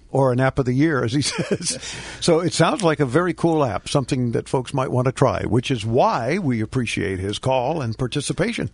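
A man's voice: medium pitch, vocal fry, husky, no echo. A man hosting a radio tech show, chatty and joking as he answers questions. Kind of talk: casual radio talk.

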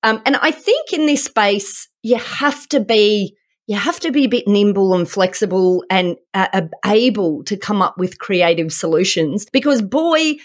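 A middle-aged woman hosting a business interview podcast, upbeat and enthusiastic, quick to laugh. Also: medium pitch, lively intonation. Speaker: podcast host, commercial lawyer.

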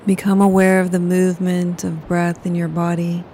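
Female meditation guide, low flat calm delivery, warm dark tone. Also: a little hiss or hum. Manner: slow, soothing, unhurried. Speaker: yoga nidra guide.

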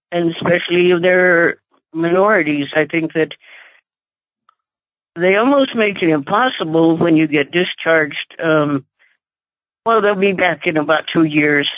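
A woman's voice: fairly low pitch, dry recording. Woman caller, phone line, earnest, conversational, dry. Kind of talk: call-in talk radio.

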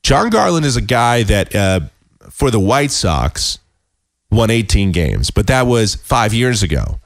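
A man hosting a casual sports podcast, hoarse and sick with a cold, talking in a rambling, self-deprecating way with many halting restarts. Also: lowish voice, big pitch swings, no room sound, studio quality. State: hoarse, losing his voice. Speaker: podcast host.

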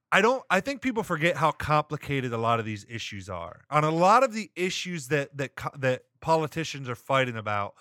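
A man's voice: a little high, sharp tone, no echo, clean studio sound. A man co-hosting a live-streamed talk show, rambling and hedging with lots of restarts as he reads chat and gives his view. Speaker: podcast co-host.

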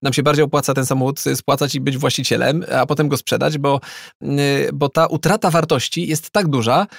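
A man's voice: medium pitch, fairly even intonation, a little fast, vocal fry, no echo, clean studio sound. A man in a panel discussion who works through cost figures aloud as he explains them. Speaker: panel guest. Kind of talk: conversational discussion.

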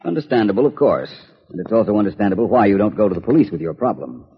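Philo Vance, a suave dry detective. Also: male voice, fairly low pitch, sing-song, very fast, slightly rough, exaggerated voice. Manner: dry, ironic, composed. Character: suave urbane male detective. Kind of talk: 1940s radio acting. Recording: dull old radio recording.

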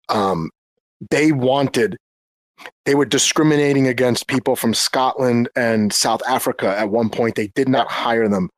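A man from New York speaks as a guest in a relaxed group chat. He halts and restarts as he searches for words, at a middle pitch. The sound is dry and close, with no room around it. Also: no echo. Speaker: guest, former English teacher.

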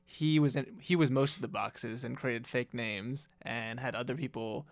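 Gravelly-voiced man co-hosting a chat. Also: mid-range voice, steady tone, normal speed, no echo. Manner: casual, heavy use of "like" fillers. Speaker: podcast co-host. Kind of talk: casual legal news discussion.

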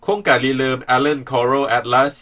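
A man's voice: medium pitch, flat delivery, slow pace, a bit bright. A man with a Lao accent reading a scripted news report as a radio reporter.

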